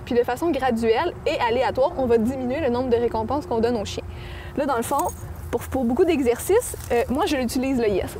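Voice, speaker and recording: A woman's voice: high voice, a little mellow, echoey room, in a large hall, slight background noise. A woman dog trainer with a Québécois French accent, patiently explaining training methods with everyday examples in an interview.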